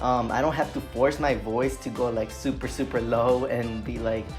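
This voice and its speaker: A man's voice: medium pitch, steady tone, moderate pace, faint music behind. A young trans man talking casually and reflectively in a vlog update, with many "like" and "um" fillers. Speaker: vlogger.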